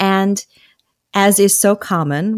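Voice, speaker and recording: Recorded very cleanly against a silent background, a woman with an American accent talks with ordinary pitch variation. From Delaware, US. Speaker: memoirist and singer-songwriter. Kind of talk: interview testimony. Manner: halting.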